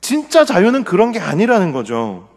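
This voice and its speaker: A man in his forties, a pastor preaching an impassioned sermon that swings between loud pleas and hushed murmurs. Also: high voice, huge pitch swings, moderate pace. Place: church sanctuary. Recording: long hall reverb.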